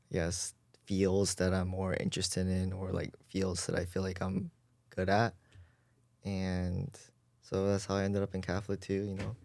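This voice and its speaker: Deep-voiced young man rambling casually. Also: creaky, darkish tone, dry recording. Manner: rambling, lots of "like". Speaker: guest volunteer. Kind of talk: casual podcast chat.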